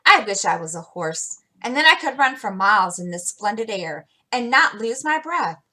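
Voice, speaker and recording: A woman's voice: medium pitch, very animated, normal speed, pushed and bright, poor audio. A woman reading aloud and voicing a blunt, spirited teenage girl in a storybook. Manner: blunt and fierce.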